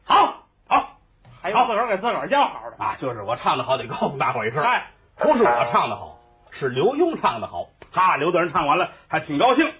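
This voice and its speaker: Brief: high, very animated man, voicing all the characters of a comic story. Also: fast talker. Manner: switches voices between characters, sings opera snatches. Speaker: crosstalk storyteller. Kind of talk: comic storytelling with sung parts. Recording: phone-like lo-fi recording with faint music.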